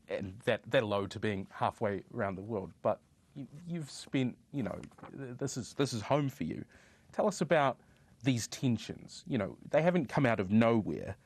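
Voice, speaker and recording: Lively-voiced male interviewer. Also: on the low side. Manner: searching for words, restarts. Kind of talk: tv interview questions.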